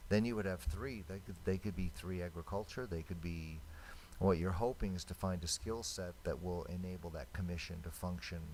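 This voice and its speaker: A man's voice: low-pitched, a little fast, few pauses, darkish tone, a little hiss or hum, poor audio. An American man giving informal remarks as a council member in a public meeting. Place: city council chamber.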